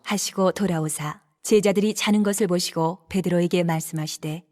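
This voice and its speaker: A woman narrating scripture for an audio Bible drama, telling the story in a steady, even way. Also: lowish voice, moderate pace.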